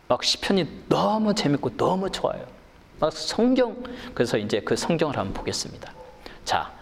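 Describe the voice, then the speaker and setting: Korean pastor preaching in a reverberant hall. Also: male voice. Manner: animated storytelling, acting out quarrels, swings from low calm to loud high emphasis. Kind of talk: sermon.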